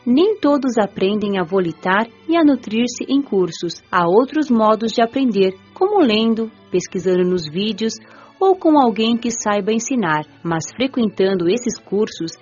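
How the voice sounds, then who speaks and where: A woman's voice: on the high side, lively intonation, unhurried, a little mellow, husky. Serene young Brazilian woman playing a spirit narrator, muffled audio. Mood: serene, content. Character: nineteen-year-old female spirit, serene, grateful, eager learner. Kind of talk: scripted first-person radio drama narration. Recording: dull lo-fi audio with music behind. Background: background music.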